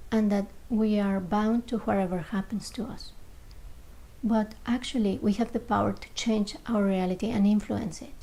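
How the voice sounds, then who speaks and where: A woman leading a guided meditation, speaking slowly and gently in short phrases with long pauses, sometimes dropping to a soft near-whisper. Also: mid-range voice, vocal fry, low-quality recording.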